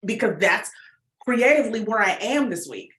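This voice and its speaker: An American woman, a guest on a casual interview, talks candidly and expressively about her creative work as an audio fiction writer and producer. Her voice sits on the high side, lively and fairly bright, at a moderate pace. The recording has noticeable reverb.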